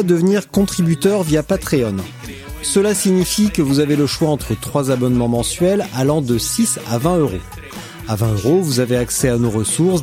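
Male podcast host, casual and friendly, a bit high-pitched. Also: mellow. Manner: friendly, many hesitations and fillers.

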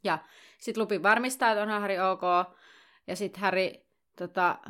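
A woman co-hosting a podcast, casually retelling a book chapter in a chatty way full of fillers. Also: medium pitch. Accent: Finnish. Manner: chatty, many fillers, lively summarizing. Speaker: podcast co-host.

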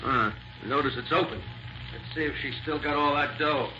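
An actor playing a gruff, folksy homicide sergeant in a 1940s radio drama. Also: male voice, fairly high pitch, normal speed, close to an everyday voice. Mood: grimly indignant. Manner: blunt, folksy tough-cop talk. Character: gruff, blustery male police homicide sergeant. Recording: muffled, very noisy 1940s radio recording.

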